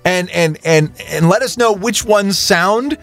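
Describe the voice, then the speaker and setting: A man's voice: sits high, unhurried, fairly bright tone, no room sound, faint music behind. A man co-hosting a comedy podcast, playful and wry, steering the show's segments. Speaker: podcast co-host. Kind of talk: casual comedic chat.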